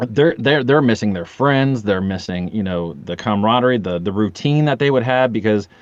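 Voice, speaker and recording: A man's voice: fairly low pitch, animated, moderate pace, no room sound, muffled recording. A middle-aged man chatting casually as a podcast guest, with a joking, salty, irreverent manner. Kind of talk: casual chat.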